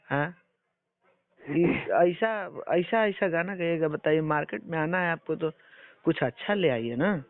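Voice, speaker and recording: A man interviews someone on a phone call. His voice sits a little high, and he presses his questions in a scolding, persistent way. The sound is narrow and tinny, as on a phone line, with very little room echo. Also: animated, measured pace. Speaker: interviewer for an entertainment channel.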